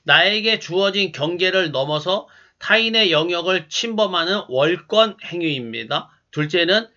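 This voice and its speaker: Pastor, male, high and sharply bright voice, delivers a calm, teaching sermon on a dull, muffled recording. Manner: calm, measured and instructive.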